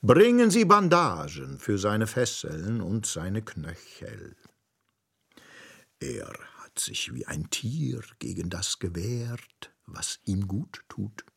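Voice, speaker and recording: An actor playing a grave, clinical lecturer in an experimental radio play, halting and theatrical, with hushed phrases. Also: male voice, lowish voice, vocal fry, breathy edge, heavily acted. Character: grave, clinical lecturer presenting electroshock and a melancholic patient.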